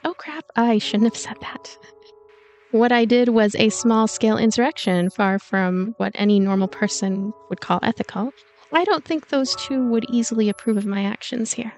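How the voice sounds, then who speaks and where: A woman's voice: mid-range voice, gravelly, a little mellow. A woman reading a visual novel aloud as a let's player, narrating the story and voicing its lines. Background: game music.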